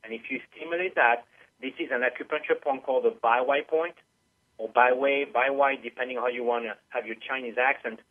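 A man speaks over a narrow, tinny phone connection. His pitch sits mid-range, and he explains things step by step with small hesitations. He is a teacher being interviewed on the radio. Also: a little fast. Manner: patient, explanatory, with frequent uh fillers. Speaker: guest animal massage teacher. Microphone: phone call.

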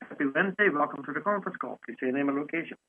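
A man's voice: a little high, rapid-fire, breathy edge, narrow, tinny audio. A man hosting a conference call, politely welcoming callers and asking them to introduce themselves in set greetings. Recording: phone conference line, noticeable noise.

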